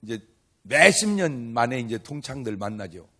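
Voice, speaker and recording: Very animated and forceful, this older pastor's bright mid-range voice keeps a moderate pace. In a humorous revival sermon to a live congregation he tells stories conversationally, dramatizes dialogue, and banters with listeners by putting questions to them.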